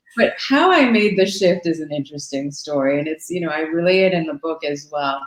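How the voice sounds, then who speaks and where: Noticeable background noise sits behind a woman talking at a fairly quick pace with hardly any pauses. Her pitch is fairly low, with ordinary variation. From South Africa. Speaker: success coach and author. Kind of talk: podcast interview.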